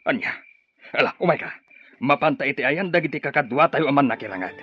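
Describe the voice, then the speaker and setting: A man's voice: mid-range voice, lively intonation, fast talker, muffled recording, lightly acted. An actor playing a commanding tribal chief and father in an Ilocano-accented radio drama, theatrical and authoritative. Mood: resolute. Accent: Filipino, Ilocano.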